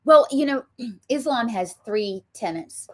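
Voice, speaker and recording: A woman's voice: a little high, lively intonation, slow pace, darkish tone. A woman with a Southern US accent, hosting a political talk show and speaking emphatically, with frequent ums. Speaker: show host.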